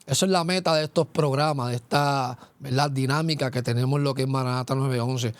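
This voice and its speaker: A man's voice: mid-range voice, fairly even intonation, fairly quick, clear, resonant tone, no room sound. A man with a Puerto Rican accent hosting a Christian testimony interview, earnest and speaking in guided questions with frequent tag asides. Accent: Puerto Rican Spanish. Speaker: host.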